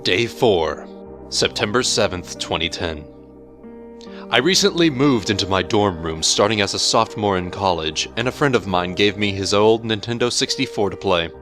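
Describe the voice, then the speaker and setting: Male horror narrator, fairly low register, measured and theatrical, music behind the voice. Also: expressive. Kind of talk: dramatic horror story reading. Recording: music bed under the voice.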